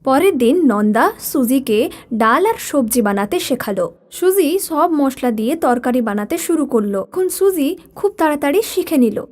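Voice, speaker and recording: A woman's voice: high voice, animated, moderate pace, darkish tone. A woman narrating a children's cartoon story.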